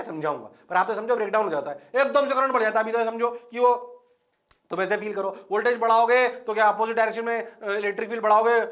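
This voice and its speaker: An energetic male teacher lecturing a classroom with a high, bright voice. He keeps pressing the students for answers and teases them playfully. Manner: energetic, coaxing questions to the class; playful, teasing. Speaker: physics teacher.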